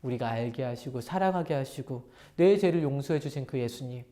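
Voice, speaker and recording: Animated woman preaching to children. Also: rumbling low, fairly quick. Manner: animated, asks children questions. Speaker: children's pastor. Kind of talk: children's sermon storytelling. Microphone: lapel mic.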